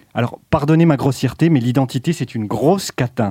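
A man speaks at a moderate pace with a dark, mellow tone and ordinary pitch variation. The recording is very clean, dry and close, with no echo and a silent background. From Brussels, Belgium (Ixelles). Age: 20s. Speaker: student radio host. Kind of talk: scripted radio narration. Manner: theatrical, playful.

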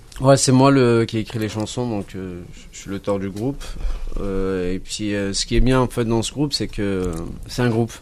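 Speech runs at a medium tempo. Its pitch shifts in a typical way. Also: man, medium pitch for a man. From Kabylie, Algeria. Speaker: songwriter and musician. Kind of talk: radio interview. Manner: halting.

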